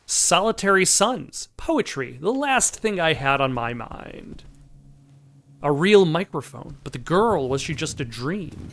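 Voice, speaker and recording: A man playing a video game who reads its text aloud in a plain, measured way, with casual asides. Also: on the high side, very animated, a bit bright. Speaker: let's play host.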